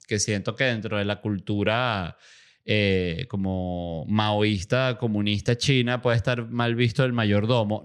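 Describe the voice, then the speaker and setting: A man's voice: fairly low pitch, smooth. A man hosting a podcast, rambling through a casual comedic monologue full of fillers and self-corrections. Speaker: podcast host.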